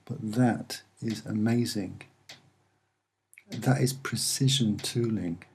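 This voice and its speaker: A soft-spoken man with a slightly husky voice, presenting and explaining images in an unhurried, earnest way with hesitant pauses. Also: fairly low pitch. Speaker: online video presenter.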